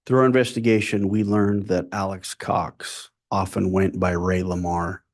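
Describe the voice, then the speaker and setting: A man with a very low, creaky voice testifies as a police detective in court. His delivery is flat, formal and factual. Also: unhurried. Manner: factual, matter-of-fact. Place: courtroom witness stand.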